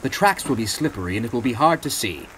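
A man's voice: medium pitch, big pitch swings, fast, far from the mic, noisy background, lightly acted. A man voicing a cautious, caring older steam engine in a children's storybook. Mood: concerned warning. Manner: concerned, careful.

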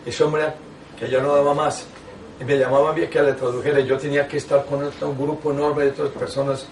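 An older man, a priest, teaching a lay audience in a small meeting room, telling stories with lively asides and restarts. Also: medium pitch, quick pace, distant mic, a little hiss or hum. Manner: animated storytelling with frequent asides and restarts. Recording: echoey room, taken from afar.

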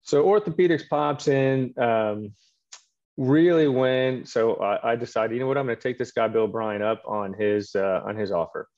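Joining a casual video interview from his home office, this middle-aged orthopedic surgeon from Quebec, a native French speaker, spins stories at a normal speed in a medium-pitched voice. He's relaxed and leans on frequent fillers, all through muffled, lo-fi call sound.

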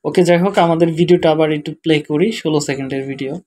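Tired, soft-spoken man tutoring. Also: fairly high pitch, steady tone. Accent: Bangladeshi. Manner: quiet, slow, tired-sounding talk. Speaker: web developer teaching SEO. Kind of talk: casual screen-share tutorial.

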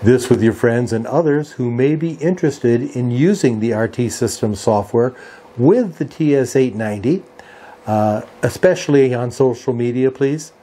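A man in his sixties giving a measured, step-by-step software tutorial as the host of a hobby channel. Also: medium pitch, a little hiss or hum. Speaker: host of a ham radio channel. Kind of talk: software tutorial and review talk to camera. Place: small indoor home radio workshop.

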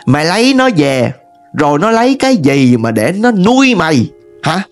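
A man putting on a shrill furious village mother. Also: sing-song, moderate pace, faint music behind. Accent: Southern Vietnamese. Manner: harsh shrill berating. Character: furious scolding village mother, woman, middle-aged.

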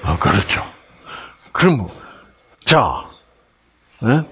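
A man's voice: on the low side, sing-song, very slow, pushed and bright, slightly rough. A middle-aged man giving a health lecture, asking his audience questions and joking with regional sayings.

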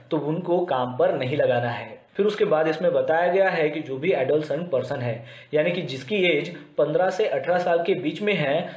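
An Indian man delivers an explanatory lecture in a slightly high voice. He works through his material methodically, point by point. The recording is clearly roomy and echoing. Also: a little mellow. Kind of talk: explanatory lecture mixing Hindi and English terms.

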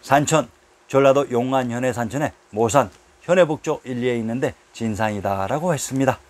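A man narrates from a prepared script at an even, measured pace. He moves through long lists of place names in the same steady reading voice, pausing briefly between each item. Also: mid-range voice. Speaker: narrator of history videos. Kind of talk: scripted narration read from a text.

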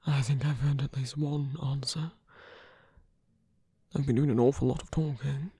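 A man playing a guarded, lovestruck villain in an ASMR roleplay, halting and tender, with a breathy voice that often drops to a whisper. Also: mid-range voice, fairly even intonation, mellow, no echo, clean studio sound. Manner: halting, hesitant delivery with pauses. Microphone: close dry microphone.

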